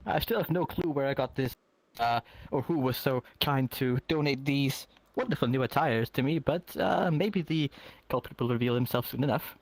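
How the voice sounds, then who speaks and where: A man's voice: medium pitch, normal speed, no echo, natural voice, poor audio. A man roleplaying a polite, good-natured town patrolman with courteous, old-fashioned wording and rambling hesitations. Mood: pleasant, chatty. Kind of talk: improvised virtual reality roleplay.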